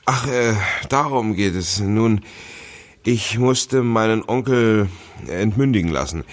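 An actor playing a curt, evasive, unpleasant nephew in a German radio drama, reluctant to talk. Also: male voice, on the low side, animated, slow pace. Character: curt, evasive, shady nephew guarding his own business.

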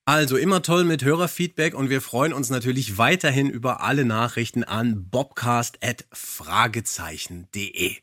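A man's voice: medium pitch, moderate pace, few pauses, a bit bright, no room sound, clean studio sound. A man co-hosting a podcast in casual chat, a bit nasal and sniffly from a mild cold. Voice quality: slightly nasal. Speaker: podcast co-host.

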